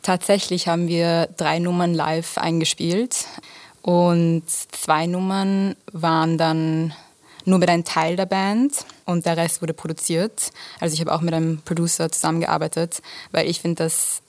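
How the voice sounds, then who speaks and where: A young woman speaks in a low, fairly level voice, answering a radio host's questions in a thoughtful, measured way with small pauses. The studio sound is dry and close. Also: level tone, a little mellow, no room sound. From Vienna, Austria. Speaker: singer-songwriter guest. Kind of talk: radio interview.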